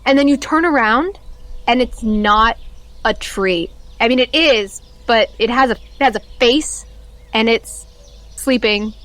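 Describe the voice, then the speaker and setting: A woman improvising narration as the game master of a tabletop role-playing game, in halting, pieced-together phrases. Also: fairly high pitch, fairly bright tone.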